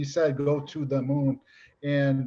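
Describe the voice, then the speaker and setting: Somewhat breathy, a man with an American accent speaks at a very slow pace. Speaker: YouTuber, guest debater. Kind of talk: podcast debate.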